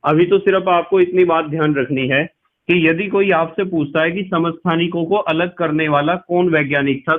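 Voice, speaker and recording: A male chemistry teacher giving a patient lecture, repeating key points and quizzing his students. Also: on the high side. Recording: tinny lo-fi sound.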